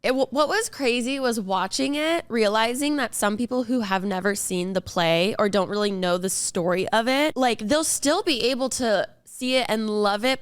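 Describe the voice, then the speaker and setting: Young woman with a cold, raspy. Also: a little high, no room sound. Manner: chatty, effusive. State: has a cold, slightly raspy voice. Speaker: podcast co-host. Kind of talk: casual chat.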